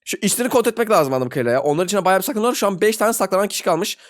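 A young man giving excitable live gameplay commentary as a video host, talking to viewers in slangy banter and yelping high when frustrated. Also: racing.

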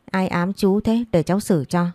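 A woman's voice: mid-range voice, mellow, dry recording, clean studio sound, natural voice. A woman reading a cheeky young man teasing his uncle. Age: 20s. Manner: quick, needling banter.

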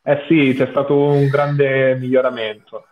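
A man speaking a little slowly, in a mid-range, level voice, offers casual live commentary as a panelist on an anime watch-along, often repeating phrases for emphasis. He's heard over a video call, so the audio is muffled and narrow-band.

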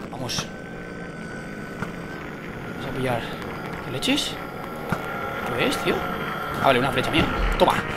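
A man with a Spain Spanish accent gives excited gameplay commentary, swinging from muttering to loud shouts. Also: sits high, background noise. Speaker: gaming video creator.

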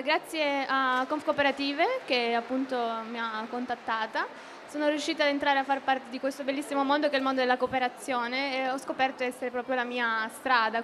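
A woman's voice: high-pitched, fairly bright tone, a little hiss or hum. A young woman in her twenties telling her personal story in an interview, fluently, into a handheld mic. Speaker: interviewee, cooperative project worker. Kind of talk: interview answers. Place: expo booth studio, indoors.

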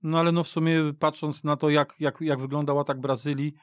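A man on a radio football panel, talking in a halting way and repeating words. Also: fairly high pitch, flat delivery, no room sound, clean studio sound. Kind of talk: casual chat. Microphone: studio mic.

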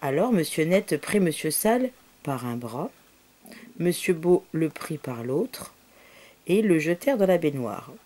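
A woman reading a children's story aloud expressively, with soft whispered asides to the listening child. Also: low-pitched, sing-song, a little slow.

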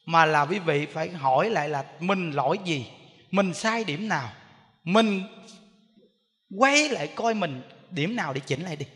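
A Buddhist monk with a Southern Vietnamese accent giving a sermon, telling stories animatedly and laughing with the audience in a temple hall. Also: male voice, a little high, lively intonation, unhurried, fairly bright tone. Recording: long reverb in a large hall.

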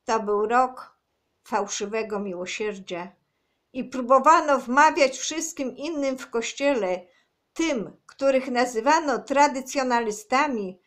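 A woman on her own channel reading a religious book aloud in a slow, measured, earnest way. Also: high-pitched, fairly bright tone.

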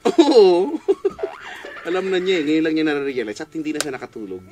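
A man's voice: a little high, very animated, fairly quick, background noise. A man with a Filipino accent working as a radio DJ, bantering and greeting listeners in a giggly, playful way. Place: small radio studio. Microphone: studio boom mic with headphones.

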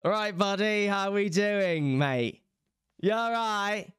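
A man's voice: sits high, expressive, slow, a bit bright, smooth, no room sound, studio quality. A middle-aged man giving mocking, amused video commentary in a sarcastic manner. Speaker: reaction video host. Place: small indoor streaming room. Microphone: studio microphone close to mouth.

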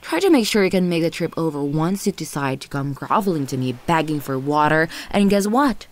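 A woman playing a possessive, manipulative ex-girlfriend in an ASMR audio roleplay, condescending and volatile, with teasing, lingering, breathy delivery. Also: sits low, lively intonation, fairly quick. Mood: furious, bitter. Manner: condescending, teasing, lingering on words, often breathy half-whispers.

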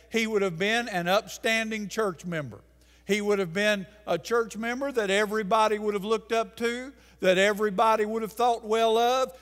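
An older man preaches in a church sanctuary, his voice pitched high for a man. He presses his points hard and slows down on the phrases he wants to land. The sound rings out with a long reverb from the room. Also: fairly bright tone. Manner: emphatic preaching, slowing for key phrases, gesturing at pulpit. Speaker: pastor. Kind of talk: sermon. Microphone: pulpit mic.

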